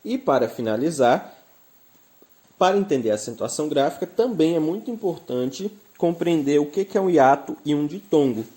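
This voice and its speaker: A man's voice: fairly high pitch, expressive, normal speed, warm tone. A man with a Brazilian Portuguese accent teaching a grammar lesson, explaining patiently and stressing the example words.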